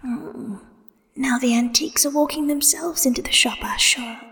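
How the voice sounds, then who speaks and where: A woman voicing a playful, teasing male immortal lover in a breathy, murmured whisper for a storybook reading. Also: a little high, expressive, takes it slowly, dark tone, long reverb tail, voice pushed up, exaggerated voice.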